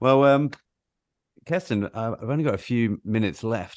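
Against a quiet background, a man of medium pitch uses lively intonation in an unremarkable speaking voice. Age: 40s. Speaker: podcast host. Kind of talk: interview. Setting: call.

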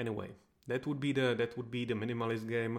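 Fairly quick speech from a man at a medium pitch. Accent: non-native. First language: not English. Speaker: solo podcast host on minimalism. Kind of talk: solo podcast monologue. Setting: home recording with street noise. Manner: halting, many fillers.

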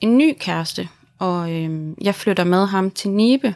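Here a woman speaks at a medium pitch. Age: 30s. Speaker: patient with chronic illness. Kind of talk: personal interview. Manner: hesitant, many fillers.

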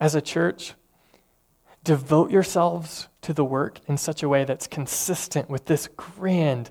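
A man with a Southern US accent, fairly high in pitch with ordinary pitch variation, at a very slow pace in a very clean recording with a silent background. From Tennessee. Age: young. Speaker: pastor. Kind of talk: sermon.

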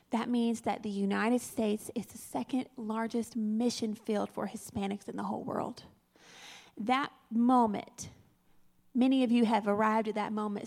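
A woman speaks in a fairly high pitch with monotone, flat intonation. The recording is very clean, with a silent background. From Kentucky. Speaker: ministry leader. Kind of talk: church talk. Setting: church.

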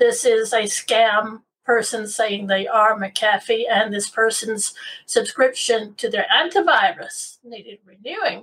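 A woman with a Southern US accent talks at a fairly slow pace in a fairly high pitch, her pitch varying in an ordinary way. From US South. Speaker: tech community owner. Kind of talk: live-streamed panel chat.

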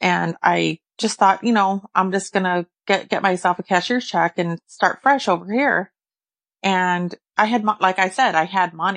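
In an unremarkable speaking voice, a woman talks at medium pitch and a moderate pace with fairly even intonation and very even loudness. The sound is dry and close with no echo, over a quiet background. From Southern California. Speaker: credit repair specialist. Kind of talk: casual interview.

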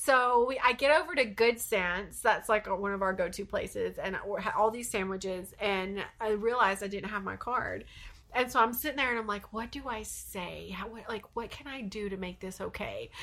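Speaking at a moderate pace with a Southern US accent, a woman uses a fairly high pitch with ordinary variation and big swings in loudness. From US South, Alabama. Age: 30s. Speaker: podcast co-host. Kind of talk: casual chat.

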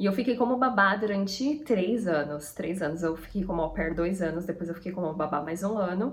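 A woman with a São Paulo accent talks at a fairly quick pace with lively intonation and hardly any pauses, amid noticeable background noise. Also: medium pitch for a woman. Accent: Brazilian Portuguese, São Paulo (paulistano). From Brazil, São Paulo area (Mauá). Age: 30s. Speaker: YouTuber. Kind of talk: personal vlog monologue.

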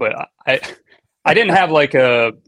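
A man with an American accent speaks in a bright, sharp tone, the sound dry and close with no echo. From Maryland, US. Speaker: session guitarist. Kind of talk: casual chat.

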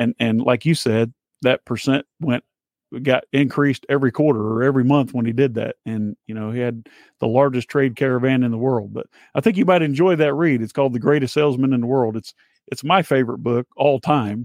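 A man talks at a fairly quick pace with a medium pitch and ordinary pitch variation, in a plain, everyday voice. The sound is dry and close with no echo, over a quiet background. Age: 40s. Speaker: podcast host. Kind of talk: casual chat.

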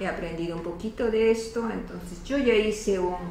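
With noticeable background noise and audible room echo, a woman speaks fairly slowly at a medium pitch, her intonation fairly even. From Peru. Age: 70s. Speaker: fasting retreat participant. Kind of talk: interview.

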